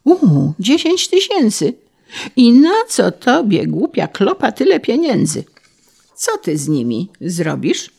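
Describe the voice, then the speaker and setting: Lady putting on a bossy shouty official guy, talks down to everyone, voice swoops up high. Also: wildly swooping pitch, takes it slowly, creaky, slightly rough, full character voice. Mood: domineering. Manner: barking, contemptuous. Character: bullying shouting male district official.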